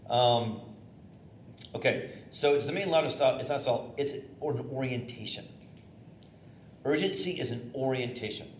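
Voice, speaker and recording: A middle-aged man with a loud, theater-trained voice teaches a class on preaching, talking freely with plenty of restarts and fillers. His voice carries energy and sits at an ordinary pitch for a man. It sounds roomy and echoey, with a faint hiss behind it. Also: moderate pace, long pauses. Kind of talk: informal teaching talk on preaching. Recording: echoey room, faint noise.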